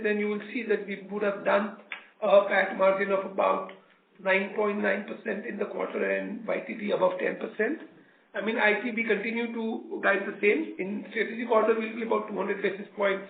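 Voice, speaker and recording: High, creaky Indian man on echoey phone. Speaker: company finance executive. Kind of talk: answering questions on an earnings call. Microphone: conference call phone. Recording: echoey, tinny conference phone line.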